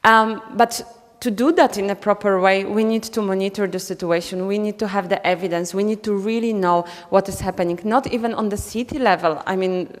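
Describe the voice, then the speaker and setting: A woman's voice: medium pitch, steady tone, fairly quick. A woman from Poland, giving a conference talk with many ums and restarts. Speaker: conference speaker. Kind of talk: conference presentation. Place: conference hall. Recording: reverberant conference hall.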